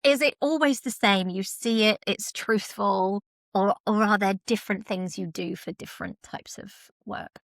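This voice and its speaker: A woman's voice: medium pitch, moderate pace, gravelly, no room sound. A middle-aged woman hosting a podcast, interviewing casually in an enthusiastic, affirming way. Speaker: podcast host.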